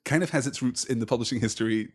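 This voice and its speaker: A man with a mid-range voice talks as a podcast co-host. His delivery is conversational but analytical and articulate, putting clear emphasis on his points. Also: medium pitch, very fast. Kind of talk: casual film and comics discussion.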